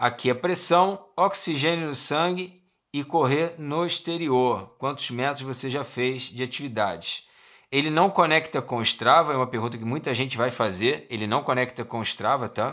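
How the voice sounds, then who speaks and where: A man with a Brazilian accent, medium-pitched, at a moderate pace, with ordinary pitch variation, a bright, sharp tone, and a very clean recording over a silent background. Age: 30s. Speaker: tech youtuber. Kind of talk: product review. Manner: casual, chatty.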